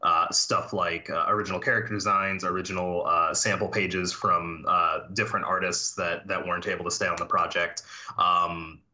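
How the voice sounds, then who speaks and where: A man with a very low voice and a sharp, forceful tone. He is a comic book writer, a guest on a podcast. He talks in a halting way, full of fillers and restarts. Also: little pitch movement, highs cut off. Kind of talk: casual podcast interview.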